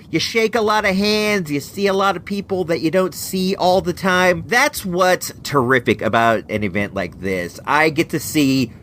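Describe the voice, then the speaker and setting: A man's voice: a little high, a little hiss or hum. A man hosting a podcast in a casual, joking ramble, all stuffed up and nasal from a cold. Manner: playful, rambling, animated. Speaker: podcast host. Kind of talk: casual comedic monologue.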